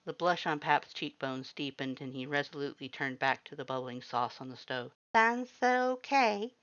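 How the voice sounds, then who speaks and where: A woman's voice: very deep voice, steady tone, fairly quick, a bit bright, highs cut off. A woman reading fan fiction aloud as scripted story narration.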